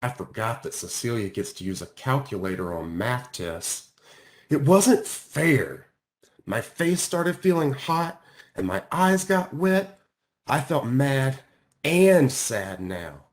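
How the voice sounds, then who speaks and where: A man narrates a children's storybook with a very animated delivery. His pitch moves freely and his phrasing is emphatic, shaped for young listeners. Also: slow. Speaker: author reading their own children's book aloud.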